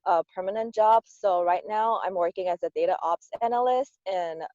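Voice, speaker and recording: A young woman from Singapore speaking as a panelist on a video call, soft-spoken and halting. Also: medium pitch, no room sound. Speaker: panelist, data analyst. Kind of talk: casual chat on a video call. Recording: dull dry video call audio.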